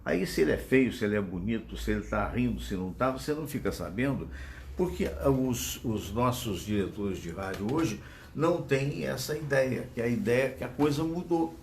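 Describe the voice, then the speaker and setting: Speaking straight to his viewers through a phone that serves as his mic, a Brazilian Portuguese-accented man hosts a casual live show full of digressions. His medium-pitched voice has lively intonation and a darkish tone at a moderate pace, with a little hiss or hum.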